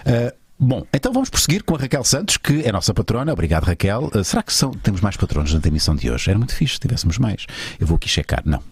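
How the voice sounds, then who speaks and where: A low-voiced man with a husky edge hosts a loose, joking talk show in a European Portuguese accent. He talks fast and his pitch swings widely, all of it recorded close and dry. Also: very animated, no echo. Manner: joking, teasing, quick with puns. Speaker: host of a live talk show. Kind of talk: casual chat interview.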